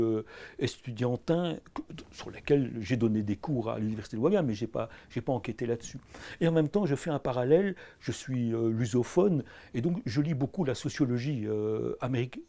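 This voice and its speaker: Belgian prof guy, mellow low-key voice, lots of euhs and restarts, talking to an interviewer. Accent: Belgian French. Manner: hesitant, many fillers and restarts. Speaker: anthropology professor. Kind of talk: filmed interview. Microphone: camera crew sound.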